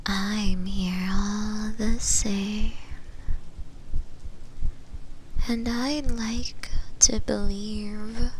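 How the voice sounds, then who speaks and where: A woman voicing a flirty, possessive shadow demon in a breathy whisper, slow and musing, as an intimate ASMR roleplay. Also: medium pitch, a little hiss or hum, rough recording. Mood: intimate longing. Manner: slow, deliberate, hushed, philosophical musing.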